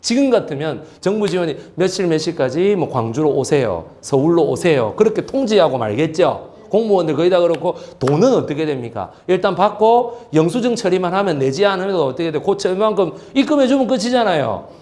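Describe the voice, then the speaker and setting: A man's voice: high-pitched, a little fast, few pauses. A middle-aged man giving a lecture on history who tells stories and keeps asking the audience rhetorical questions. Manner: lively, asks rhetorical questions, acts out quotes. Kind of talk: animated lecture storytelling.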